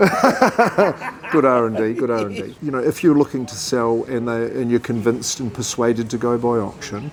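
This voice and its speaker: With music in the background, a man speaks at medium pitch and a moderate pace with fairly even intonation. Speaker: auctioneer. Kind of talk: podcast interview answer.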